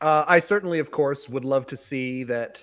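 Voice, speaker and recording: A man's fairly high voice with ordinary pitch variation, an ordinary speaking voice. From Canada. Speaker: regular audience participant. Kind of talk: casual chat.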